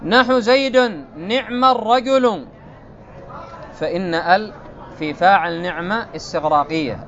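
In a dull, lo-fi recording, a man with a distinctly high and somewhat bright voice teaches classical Arabic grammar. He walks through the rules one after another, stopping again and again to check his students with questions.

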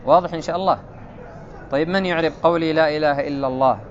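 A man's voice: fairly high pitch, very fast, muffled recording, slight background noise. A man teaching a classical Arabic grammar lesson, explaining step by step and checking often whether his students follow.

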